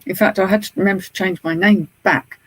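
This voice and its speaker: Lisping, husky British man chatting away. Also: high-pitched, steady tone, a little fast, fairly bright tone. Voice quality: slight lisp from a mouth appliance. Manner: rambling, chatty. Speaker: online reseller and streamer. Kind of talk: casual live chat to viewers.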